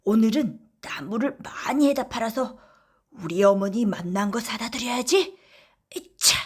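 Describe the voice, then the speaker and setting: A woman's voice: on the high side, animated, unhurried, slightly rough. A woman voicing a kind, timid young male woodcutter, earnest and deferential, in a children's folktale audiobook. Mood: cheerful, determined. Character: kind young male woodcutter, devoted son, timid but quick-witted.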